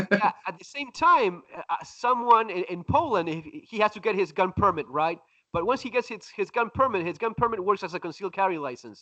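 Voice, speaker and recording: Raised and projected, a man's high-pitched voice carries a Spanish accent, a bright, sharp tone, lively intonation and a fairly quick pace. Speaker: podcast host, survival author. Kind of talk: casual interview chat. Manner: halting, many false starts.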